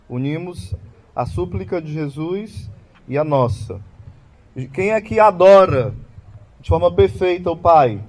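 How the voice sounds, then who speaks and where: A man's voice: a little high, dark tone. Brazilian man teaching about the Mass. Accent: Brazilian Portuguese. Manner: asks the audience questions and answers them. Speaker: Catholic lay preacher. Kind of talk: catechetical talk.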